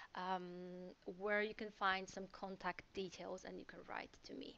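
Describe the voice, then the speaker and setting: In a bright, sharp tone, a woman talks with a non-native accent. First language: Polish. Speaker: language tutor. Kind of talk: webinar. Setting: live online webinar. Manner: hesitant, many fillers.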